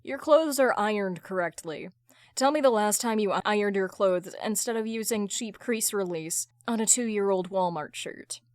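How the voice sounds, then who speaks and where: A woman performs a cutting businesswoman in an audio drama. She is blunt, sarcastic and judgmental, delivering her digs deadpan at a medium female pitch in a dry recording. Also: moderate pace, no room sound, close to an everyday voice. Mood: scornful. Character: sharp, judgmental businesswoman, scathing exasperated ex.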